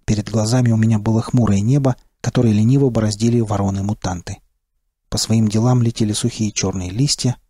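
Dark-voiced man narrating an audiobook. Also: lowish voice, a little fast, breathy edge, no room sound, clean studio sound. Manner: steady, terse storytelling. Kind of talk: first-person audiobook narration.

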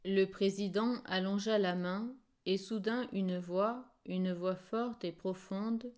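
Slow, smooth-voiced woman narrator. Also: mid-range voice. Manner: slow, measured and expressive. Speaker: audiobook narrator. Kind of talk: scripted literary narration.

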